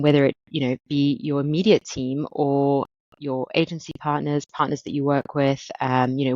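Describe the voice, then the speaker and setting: A woman's voice: rumbling low, darkish tone, no room sound, highs cut off. A woman from South Africa in her thirties, a marketing director answering interview questions thoughtfully, often repeating words as she finds her phrasing.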